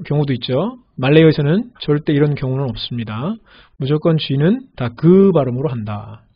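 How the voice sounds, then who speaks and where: A man giving a recorded language lesson on pronunciation, patiently repeating example words slowly. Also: on the high side, husky. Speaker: language teacher. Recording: dull lo-fi audio.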